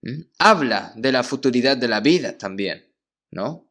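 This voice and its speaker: A man of medium pitch preaches in a church, reading out verses and stopping to explain them. His delivery is measured and unhurried, and he keeps checking in with his listeners through short questioning tags. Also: animated, fairly bright tone. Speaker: pastor. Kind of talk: sermon.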